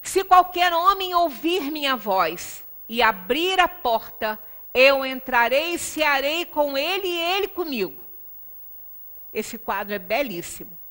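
Lecturing at a Spiritist center, a bright, middle-aged Brazilian woman speaks slowly in a high-pitched voice with big pitch swings. Her religious lecture is explanatory and conversational, emphatic, full of rhetorical tag questions. It's recorded from a distance in a small, reverberant indoor lecture room.

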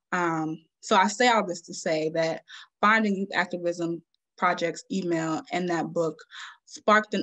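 A young woman, a student advocate, giving an earnest, measured prepared talk on a video call from home, with frequent "um"s. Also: lowish voice, fairly bright tone. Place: home room, plain wall. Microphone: laptop webcam on a video call.

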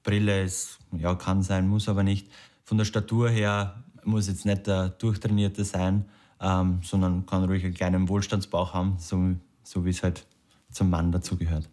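Thirty-year-old man, low voice. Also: flat delivery, moderate pace, darkish tone. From Lower Austria. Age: 30s. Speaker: dating show candidate. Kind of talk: interview. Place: home kitchen.

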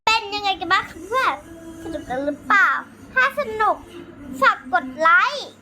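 A woman's voice: very high voice, lively intonation, normal speed, background noise. A young girl with a playful, chattering manner, role-playing a children's story as the host of a channel. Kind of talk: improvised children's game role-play narration. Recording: music behind the voice. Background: background music.

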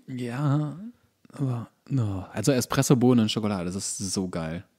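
A man's voice: medium pitch, expressive, moderate pace, darkish tone, breathy edge. A man chatting casually and comically as a podcast co-host. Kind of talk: casual comedic chat.

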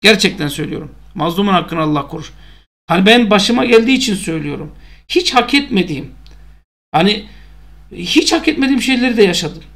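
A man's voice: high-pitched, expressive, quick pace, gravelly, a bit bright. A man talking to his viewers in a casual vlog monologue about football fandom, emphatic and often repeating his phrases. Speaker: football fan YouTuber.

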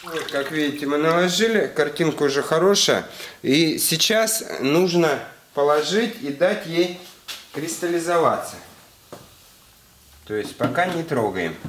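A man's voice: fairly high pitch, slight background noise. A man in his thirties hosting a casual hands-on workshop tutorial, explaining steps with lots of fillers while a little under the weather, recorded in an indoor garage workshop on a close handheld camera. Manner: explanatory, repeats "то есть", filler-heavy. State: slightly ill. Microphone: camera mic, handheld close.

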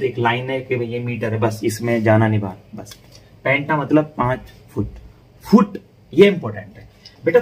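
A man's voice: mid-range voice, distant mic, rough recording. A man teaching an informal online literature class, chatty and repetitive, often calling his students "beta" and checking in with them. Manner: chatty, addresses students as "beta", repeats and checks "theek hai". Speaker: online English literature tutor.

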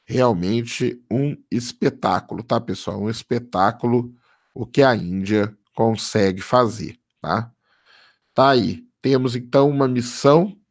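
Man, hoarse, casual livestream host, mid pitch, dry close sound. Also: a little mellow, dry recording. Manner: casual, keeps adding "tá?" for confirmation. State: hoarse from a cold. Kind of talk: live commentary reading viewer chat.

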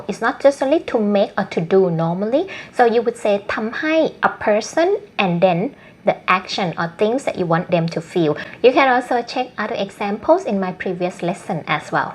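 Thai accented woman teaching a thai lesson, high animated voice, breathy, repeats phrases slow for learners. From Thailand. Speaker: language teacher. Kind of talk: online language lesson.

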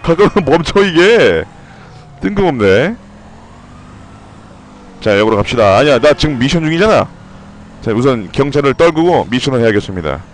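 A young man giving loud, excitable commentary while playing a video game, swearing and shouting at what happens on screen. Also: medium pitch, moderate pace, pauses often, slight background noise, low-quality recording. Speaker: gameplay streamer.

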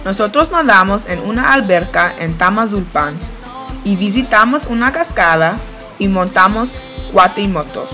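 Young woman, careful learner's narration, mid-pitched voice, faint music underneath. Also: expressive, a little slow. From United States. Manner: plain, careful learner's delivery. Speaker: student narrating a study-abroad video. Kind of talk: read-aloud voice-over narration.

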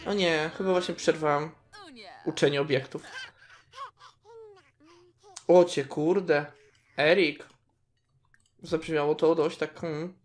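Playing through her game, a woman comments casually, chatting with the characters and reacting as things unfold, with squeals whenever something is cute. Her voice is low and steady, and she speaks slowly with long pauses, as a gaming video host.

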